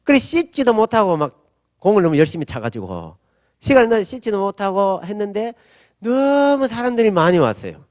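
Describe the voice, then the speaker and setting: A middle-aged man pastor, preaching a sermon with animated storytelling and asking the congregation for answers. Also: high voice, no room sound, studio quality. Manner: animated storytelling with acted-out quotes; asks the audience call-and-response questions.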